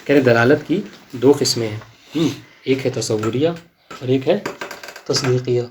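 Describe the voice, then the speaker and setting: A man's voice: mid-range voice, noisy background. A man teaching a class on legal theory. He recites passages of Arabic text, explains them, and keeps asking his students whether they follow. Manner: quizzes students, checks understanding often.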